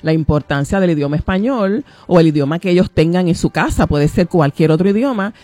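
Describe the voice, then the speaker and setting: Higher-voiced man explaining in a dry room. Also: expressive, a little mellow, no echo. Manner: measured, explanatory. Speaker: pastor. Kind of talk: talk radio commentary.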